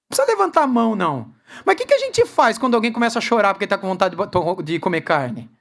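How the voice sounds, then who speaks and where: A man, preaching a sermon at a church congress and putting lively rhetorical questions to the congregation. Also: extremely high pitch, gravelly. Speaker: guest preacher.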